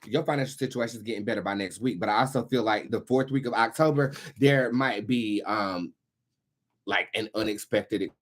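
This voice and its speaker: A man's voice: on the low side, moderate pace. A man giving casual live-streamed tarot readings as the host, talking in an emphatic, slangy and encouraging way.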